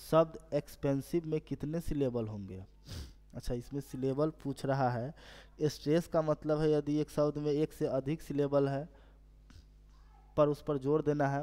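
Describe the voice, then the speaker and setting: A male teacher walking students through exam questions, reading each English question slowly and then explaining it. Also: on the high side, mellow, big-room sound. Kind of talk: exam prep lesson.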